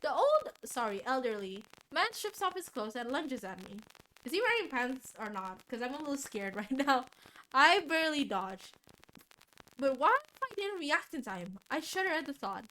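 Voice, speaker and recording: A woman's voice: high voice, sharp tone, slight background noise, low-quality recording. A woman streamer reading a visual novel aloud expressively, with casual asides. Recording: music under the voice. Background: game music.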